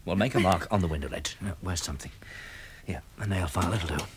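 An actor playing a calm, protective survivor of a catastrophe in a 1960s radio drama, speaking in a measured, reassuring way. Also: male voice, low voice, noisy background, lightly acted. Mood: urgent, steadying.

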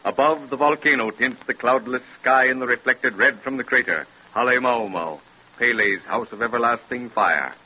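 A man's voice: medium pitch, moderate pace, bright, forceful tone, husky, muffled recording. An actor playing a solemn narrator of 1930s radio mystery tales, formal and theatrical in his declamation. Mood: solemn, dramatic. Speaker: announcer and narrator. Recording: scratchy band-limited 1930s radio recording.

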